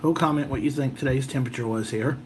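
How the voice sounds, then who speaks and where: A man's voice: mid-range voice, fast talker, a little mellow, a little hiss or hum. A slightly tired American man rambling casually through a homemade vlog in a folksy, jokey way. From southern Illinois, United States. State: a little tired. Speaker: gadget video host.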